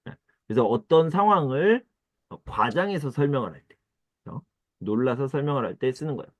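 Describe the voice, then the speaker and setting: A man teaching Korean grammar in an online lesson, repeating phrases slowly and acting out little dialogues in a higher, excited voice. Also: dry recording.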